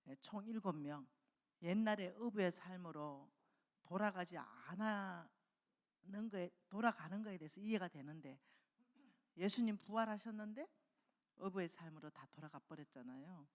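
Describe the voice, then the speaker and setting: A woman's voice: fairly low pitch, measured pace. Woman preaching in an echoing hall. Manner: animated storytelling, acting out quoted dialogue. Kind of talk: revival sermon. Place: church sanctuary. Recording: long hall reverb.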